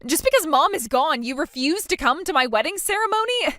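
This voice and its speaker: A woman's voice: sits high, sing-song, fairly quick, bright, forceful tone, no room sound, exaggerated voice. A woman playing a whiny self-absorbed bride. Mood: whiny, demanding. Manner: whiny, self-pitying, stammering. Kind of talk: scripted drama acting.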